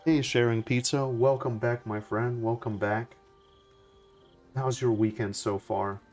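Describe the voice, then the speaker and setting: A man's voice: mid-range voice, fairly even intonation, measured pace, a little mellow, faint music behind. A man giving casual live game commentary as a streamer, rambling and friendly to viewers.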